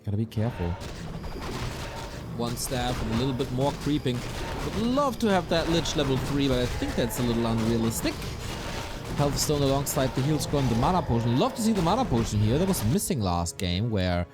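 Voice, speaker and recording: Lively, slightly raspy male game caster. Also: medium pitch. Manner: excitable, quick bursts of praise. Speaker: esports caster. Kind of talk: play-by-play game commentary. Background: game music.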